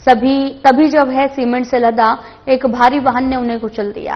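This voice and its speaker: Higher-voiced woman reading the news. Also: highs cut off. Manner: steady formal newsreading with small slips. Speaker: news anchor.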